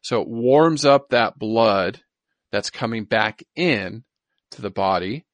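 A man's voice: lowish voice, animated, takes it slowly, dry recording. A man co-hosting a podcast, explaining science in an informal, chatty way and often repeating himself. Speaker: podcast co-host. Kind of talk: casual science chat.

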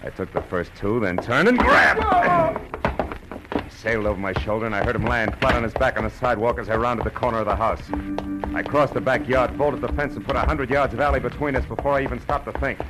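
An American actor playing a tough, wry private detective in 1940s radio drama style, with sardonic, clipped, slangy delivery. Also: male voice, mid-range voice, lively intonation, a little fast, over loud music, close to an everyday voice. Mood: grim narrating. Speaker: actor playing the lead and narrator. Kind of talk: 1940s hard-boiled detective radio acting. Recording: noisy old-time radio recording.

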